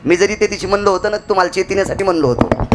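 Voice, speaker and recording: A man's voice: high voice, rapid-fire, heavy background noise. A man preaching a devotional kirtan, with folksy humor, calling on listeners by name. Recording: live with loud instrumental music.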